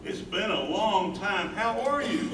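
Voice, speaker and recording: A man's voice: high voice, lively intonation, unhurried. A man in a staged play reading, playing an earnest, devoted young man courting his sweetheart with theatrical delivery. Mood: warm, hopeful. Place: live staged reading in a room. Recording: echoey room, distant mic, noisy.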